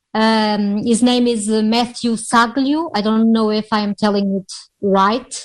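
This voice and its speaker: A woman in a Portuguese accent, fairly high-pitched, with fairly even intonation at a fairly slow pace. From Portugal. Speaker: fado singer. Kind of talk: interview. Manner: halting.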